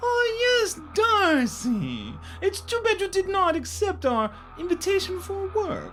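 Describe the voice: Against clear background noise, a man does a put-on character voice at a fairly slow pace.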